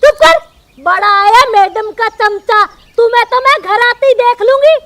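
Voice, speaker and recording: A woman playing a shrill, bossy mother-in-law. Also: moderate pace, fairly bright tone. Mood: scolding. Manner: taunting, threatening, bossy. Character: bossy scolding middle-aged mother-in-law. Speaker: mother-in-law in a comedy telefilm.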